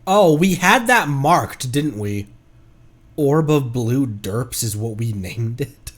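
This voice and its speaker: A man's voice: mid-range voice, animated, takes it slowly. A man giving casual, playful commentary on a game livestream. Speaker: streamer. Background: game music.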